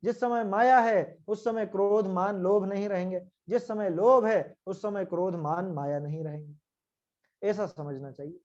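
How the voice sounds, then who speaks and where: A man's voice: sits high, steady tone, measured pace, darkish tone, highs cut off. A man giving a Hindi scripture lecture, conversational, full of rhetorical questions and acted-out quotes. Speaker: Jain scripture teacher.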